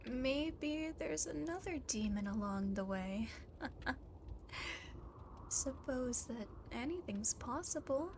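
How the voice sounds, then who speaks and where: Over noticeable background noise comes a lonely demon girl, acted by a woman, in an ASMR roleplay. She talks very slowly in a fairly high, soft voice that often sinks to a whisper. Her manner is coaxing, condescending and possessive, with a faint threat underneath. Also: expressive. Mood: taunting, menacing. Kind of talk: ASMR roleplay, speaking to the listener.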